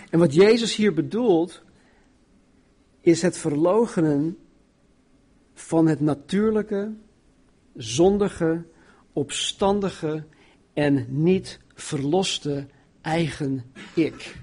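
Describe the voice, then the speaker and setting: A man's voice: a little high, expressive, slow, long pauses, warm tone, slightly rough. A man preaching a sermon as pastor, in a conversational way, often repeating himself and asking the congregation questions.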